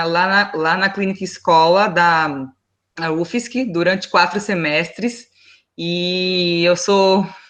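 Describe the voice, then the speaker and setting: A woman of medium pitch speaks very slowly, with ordinary pitch variation. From Brazil, Pernambuco. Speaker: biology education student. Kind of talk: online talk discussion. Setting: video call.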